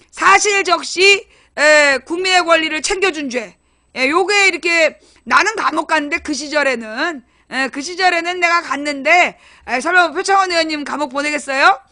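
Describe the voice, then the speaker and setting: A woman with a very high voice talks straight to her live-stream audience, blunt and crude in her wording. Her tone is bright and forceful, and she slips into loud acted-out scenes to make a point. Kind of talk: casual live-stream chat.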